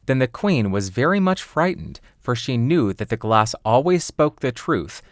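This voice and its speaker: A man narrates a classic fairy tale in audiobook style. His voice sits at an average pitch for a man. The sound is close and very dry. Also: very animated, moderate pace, no echo.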